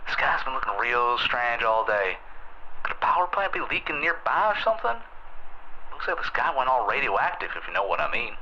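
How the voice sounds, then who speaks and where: A man's voice: medium pitch, very animated, fairly quick, slight background noise. A man voicing a worried male caller with a put-on Texas accent, folksy and uneasy, in dull game audio. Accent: fake Texas. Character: worried man calling in from the country.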